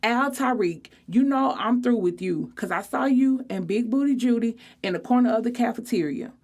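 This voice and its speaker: A woman's voice: on the high side, lively intonation, normal speed, a little mellow, voice pushed up. A woman voicing a brash, boastful teenage girl with a sassy, snappy, slangy delivery in a storybook reading. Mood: loud, sassy.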